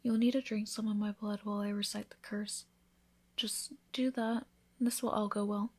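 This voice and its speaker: A woman playing a devoted newlywed vampire wife in an intimate ASMR roleplay, speaking softly, often in a whisper, with an affectionate, reassuring manner. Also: mid-range voice, little pitch movement, moderate pace, natural voice. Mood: soothing, careful. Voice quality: soft, breathy, often whispered.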